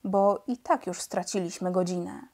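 A woman voicing an eager young boy king who speaks briskly and urgently. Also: fairly low pitch, warm tone, close to an everyday voice.

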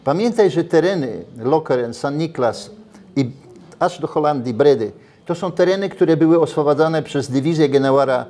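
Older man as interview guest, a touch high-pitched, animated and gesturing, lapel mic in a restaurant. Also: normal speed. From Poland. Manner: animated, gestures while talking, frequent restarts. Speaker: interviewee, former footballer. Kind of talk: casual interview. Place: brick-walled restaurant, indoors.

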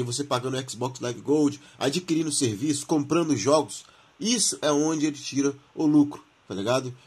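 A man's voice: mid-range voice, breathy edge. A Brazilian man hosting a gaming channel, reading and commenting on news in informal, slangy talk, his throat sore from the flu.

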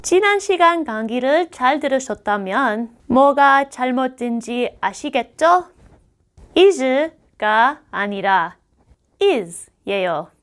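Very slow high-pitched American woman teacher. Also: sing-song, a bit bright. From United States. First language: English. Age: middle-aged. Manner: slow, careful, repeats words for drilling. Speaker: English teacher. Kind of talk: explaining grammar on a video lesson.

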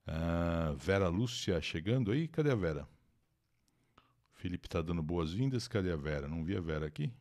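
On a live stream, a man with a Brazilian Portuguese accent teaches English to Brazilians, reading an article, translating it, repeating words and greeting the chat. His voice sits low and sounds darkish, expressive, at a moderate pace.

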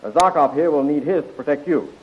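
An actor playing a bold, breezy, devoted young hero in a 1930s radio adventure. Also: male voice, fairly high pitch, lively intonation, brisk, natural voice. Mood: eager, cocky. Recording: muffled, hissy 1930s radio recording.

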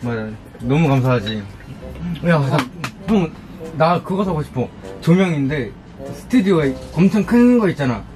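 Young guy chatting w friends, bouncy pitch, music in the back. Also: very animated, moderate pace, low-quality recording. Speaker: vlogger. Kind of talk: casual chat among friends.

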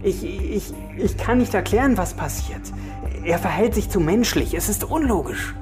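A man's voice: high-pitched, lively intonation, moderate pace, over music. A man playing an uncertain, analytical computer scientist in a science fiction audio drama, explaining things hesitantly. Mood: bewildered.

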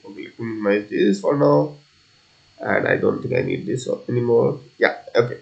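A male software instructor with noticeable fry in his voice. He narrates an unscripted screencast step by step, pausing and thinking aloud as he goes. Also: medium pitch, muffled recording. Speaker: software tutorial presenter. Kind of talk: unscripted screencast coding tutorial.

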